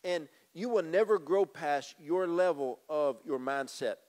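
A man's voice: on the high side, a little slow, darkish tone. A middle-aged man preaching a sermon on a church stage into a handheld mic, emphatic and repeating phrases as he addresses the congregation. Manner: moves about the stage and gestures. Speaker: pastor. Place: church stage with drum kit.

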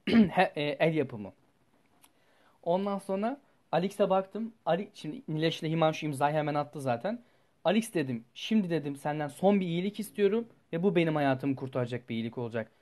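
Animated, foul-mouthed young man telling a story. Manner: animated, blunt and profane, with sudden jumps in pitch and loudness. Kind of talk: casual storytelling vlog.

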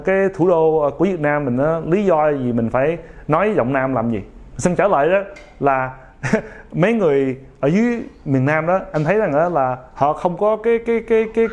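Guy with a slightly high voice giving a chill pep talk, lots of ums and "ok?", a bit halting. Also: muffled recording. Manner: halting, many fillers, keeps asking "ok?". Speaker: motivational speaker addressing young viewers. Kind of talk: casual motivational talk.

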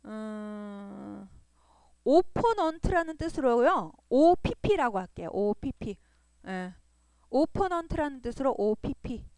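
Woman, web design instructor, patient, repeats herself, high voice, dry close recording. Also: sing-song, slow, darkish tone, smooth, dry recording. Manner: patient, repeats points and checks in with "그죠?". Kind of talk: screen-recorded coding tutorial.

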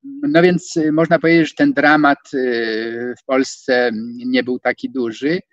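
A man in his sixties giving an online lecture from a home study, hesitating with many fillers and stressing words with rising pitch. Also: little pitch movement, measured pace, no room sound. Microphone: video call. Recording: dull, dry video-call audio.

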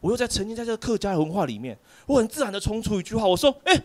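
A man's voice: high voice, rapid-fire. A young man performing a stand-up comedy set on a club stage, telling a story and acting out the people in it with shifting voices. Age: young adult. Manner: animated storyteller, acts out characters in shifting voices.

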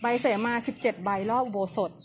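Woman vlogging on a temple tour, soft chatty voice, noisy outdoor sound, birds around. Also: a little fast. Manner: chatty, speaks softly and keeps her voice down. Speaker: travel vlogger touring a temple. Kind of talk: casual guided tour talk. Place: outdoors at a temple on an overcast day.

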